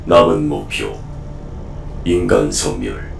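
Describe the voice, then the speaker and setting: A man playing a relentless, damaged combat robot in an audio drama, with a mechanical, processed voice and halting clipped commands. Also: expressive, full character voice. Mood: cold, menacing. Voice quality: gravelly, mechanical. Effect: deep robotic voice processing. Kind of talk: Korean audio drama acting. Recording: echoey, distant, under loud music.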